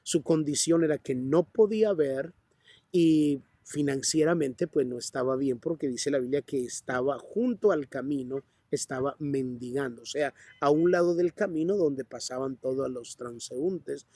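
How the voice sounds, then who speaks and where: A Colombian man preaching from the pulpit with fervor, his voice slightly husky and fairly high for a man. He throws himself into the story and acts out the shouts of its people. The sound is close and dry. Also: dry recording. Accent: Colombian Spanish. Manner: passionate preaching, acts out bystanders and the blind man's cries. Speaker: pastor. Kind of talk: sermon. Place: church.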